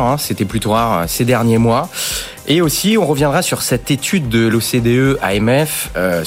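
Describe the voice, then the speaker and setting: A man hosts a business talk show from a broadcast studio. He runs through the topics and hands over to his guests with follow-up questions. Faint music plays under his voice. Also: mid-range voice. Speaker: radio and TV show host.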